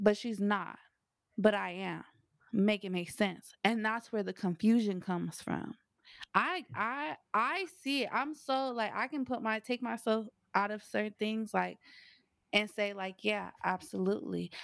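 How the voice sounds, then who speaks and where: A woman with an American accent, an ordinary speaking voice, fairly high pitch and ordinary pitch variation, at a fairly slow pace, on a very clean recording with a silent background. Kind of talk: casual chat.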